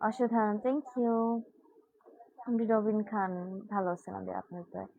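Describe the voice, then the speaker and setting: A woman's voice: mid-range voice, normal speed, vocal fry, phone-quality sound, a little hiss or hum. A teenage girl from Bangladesh hosting a live stream, chatting casually and answering viewer comments one by one. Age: teens.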